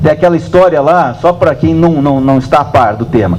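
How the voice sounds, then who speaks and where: With noticeable background noise around him, a man speaks at a fairly quick pace. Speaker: lawyer / legal speaker on a panel. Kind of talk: lecture. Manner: fast; halting.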